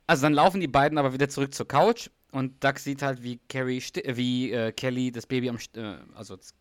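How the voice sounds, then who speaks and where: Male podcast co-host, a bit hoarse, dry close sound, retells scenes at length with fillers and restarts. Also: mid-range voice, fairly even intonation, fast talker, dry recording. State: slightly hoarse, lost some voice. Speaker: podcast co-host recapping a sitcom episode. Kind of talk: casual chat.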